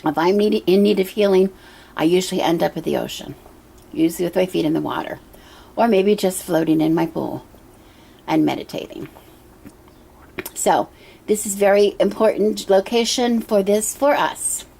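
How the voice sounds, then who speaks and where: A middle-aged woman with a hoarse voice from a cough, talking at home in a casual show-and-tell vlog, gentle and meandering with many ums and pauses. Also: lowish voice. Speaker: pagan altar vlogger. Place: indoor room at home with a water feature. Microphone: camera she handles herself.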